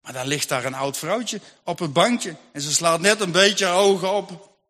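A man narrates a Christian tale with hushed, suspenseful drama. His voice is high and bright. It rings in a large hall with a long reverb over faint music. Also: normal speed. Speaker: storyteller.

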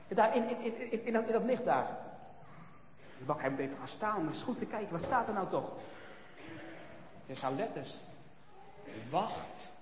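Brief: male storyteller for children, expressive, hushed to loud, high voice, echoey hall. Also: slight background noise. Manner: lively and expressive, swinging between hushed and loud. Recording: echoey hall, dull sound, faint ambience.

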